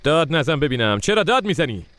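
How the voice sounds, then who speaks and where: A defensive gang associate. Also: male voice, on the high side, big pitch swings, a bit bright, no room sound. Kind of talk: dubbed TV drama.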